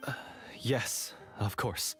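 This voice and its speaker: A man's voice: takes it slowly, fairly bright tone, soft background music. A man voicing a nervous, remorseful young hunter in a video game, speaking with hesitant earnestness. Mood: earnest, grateful. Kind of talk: video game character acting.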